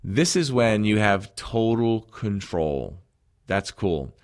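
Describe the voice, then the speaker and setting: A man's voice: lowish voice, expressive, slow. A man from Jamaica, speaking without an accent, earnestly talking listeners through a recorded self-help program as a coach. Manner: earnest, conversational, addresses listeners as friends.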